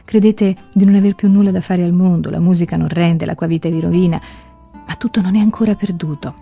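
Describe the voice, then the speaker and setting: Storybook mistress of the house, gentle and persuasive, slightly raised voice, a woman reader doing it. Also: fairly low pitch, fairly even intonation, fairly quick, gravelly, breathy edge, dull audio, soft background music. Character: kind motherly farm mistress, warm and firm.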